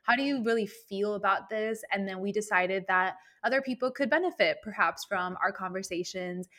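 A woman's voice: medium pitch, normal speed, sharp tone. A woman from Venezuela whose first language is Spanish, co-hosting a podcast in an upbeat, chatty way. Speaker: podcast co-host. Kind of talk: casual chat.

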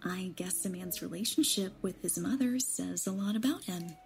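A woman's voice: fairly low pitch, normal speed, vocal fry. A woman playing a probing young woman of twenty-one in an audio drama, outwardly light and secretly uneasy. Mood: probing, teasing. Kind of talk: naturalistic audio drama acting. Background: background music.

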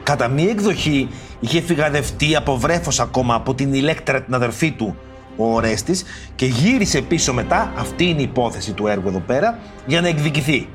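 Over background music, a man with a mid-range, expressive voice hosts a podcast about ancient tragedy. He tells the stories casually as a storytelling lesson, adding slangy, mock-indignant asides and reading verse quotes in theatrical voices.

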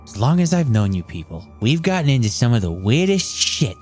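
A man voicing a small, brash male goblin who swears a lot and whines loudly at his friends. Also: mid-range voice, very animated, a little fast, faint music behind, lightly acted. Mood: cocky griping. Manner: loud, swearing, whiny and demanding.

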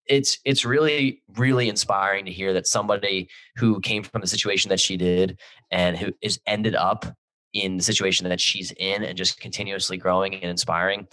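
Low-voiced guy with a crisp bright edge, excited podcast intro, dry close sound. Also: moderate pace, dry recording, low-quality recording. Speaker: podcast co-host.

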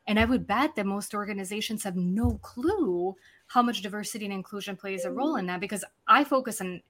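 Woman, 40s, guest on a business podcast, lively storyteller, mid-pitched voice. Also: fairly quick. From Serbia. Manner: animated storyteller, laughs easily, many fillers. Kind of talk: conversational business talk.

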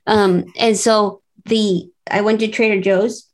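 A woman with a mid-range voice hosts a podcast in casual, chatty conversation. She tells everyday stories in an animated, talkative way. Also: mid-range voice, takes it slowly. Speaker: podcast host. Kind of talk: casual chat.

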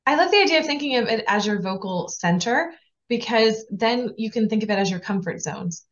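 A woman's voice: fairly high pitch, expressive, a little fast, lo-fi sound, a little hiss or hum. Affirming woman podcast host. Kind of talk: conversational interview.

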